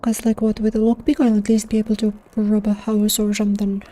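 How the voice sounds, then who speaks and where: Woman streamer, casual game commentary, mellow tone, voice worn and strained, laid-back delivery. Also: medium pitch, completely flat delivery, fairly quick. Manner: laid-back, self-deprecating, many "like" fillers. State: strained, fading voice.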